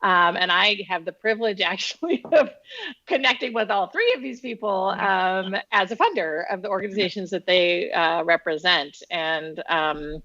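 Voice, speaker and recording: A woman introducing her family foundation on a panel, friendly, grateful and quick to laugh. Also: mid-range voice. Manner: warm, laughs easily, grateful. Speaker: foundation managing partner, panelist. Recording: muffled lo-fi audio.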